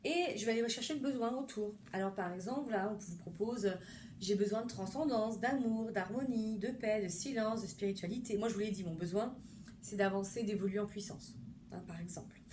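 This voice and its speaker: A woman's voice: medium pitch, fairly quick, a little mellow, a little hiss or hum. A middle-aged woman therapist talking casually about needs and emotions, chatty and rambling with many fillers and restarts. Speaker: psychotherapist. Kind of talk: casual monologue.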